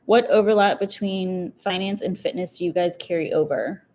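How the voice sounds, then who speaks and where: Answering viewer questions on her personal finance livestream, this young host keeps things casual, chatty and upbeat. Her lowish voice is a little mellow and moves at a moderate pace, peppered with "like" and easy laughter.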